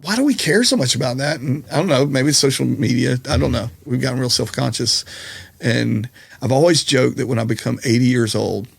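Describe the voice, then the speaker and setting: A middle-aged man, a musician and comedian, talking candidly on a podcast in a slightly raspy voice, mixing jokes with reflection. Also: medium pitch, fairly quick, no echo. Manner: candid, reflective, jokey storyteller. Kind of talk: casual conversational interview.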